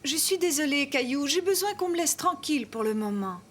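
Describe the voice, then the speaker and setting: A woman playing a busy young cartoon mother, loving but easily exasperated, with an expressive, pleading manner. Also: high voice, brisk, slight background noise. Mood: apologetic. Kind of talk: cartoon dub acting.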